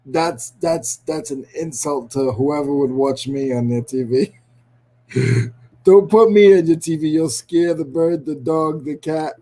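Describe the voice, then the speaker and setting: Unhurried and warm, a fairly high male voice with a New England accent runs a relaxed livestream. He's chatty, welcomes viewers by name, and makes jokes at his own expense.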